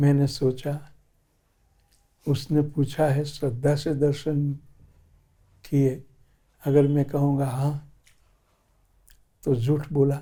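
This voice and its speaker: This man's fairly high, somewhat breathy voice has a dark, mellow tone and a flat, monotone delivery, with long pauses coming often. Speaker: spiritual teacher / guru narrating personal experience. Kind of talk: spiritual discourse, personal anecdote told to audience. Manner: gentle, sweet, soft-spoken.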